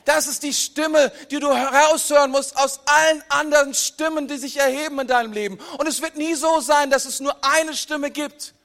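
A man preaching a sermon, lively, chatting with the congregation through asides and questions, sometimes dropping low and quiet for emphasis. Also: normal speed, few pauses. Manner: pitch and volume drop low for emphasis. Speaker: pastor.

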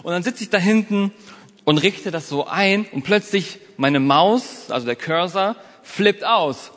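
Lively man telling a story in a reverberant hall. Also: sits high, unhurried. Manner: lively storytelling, addresses listeners directly. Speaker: speaker giving a motivational talk. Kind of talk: storytelling motivational talk.

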